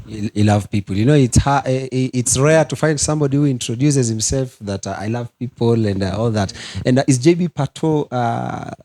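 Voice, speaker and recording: A man hosting a studio talk show, greeting his guest with animated, drawn-out emphasis. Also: mid-range voice.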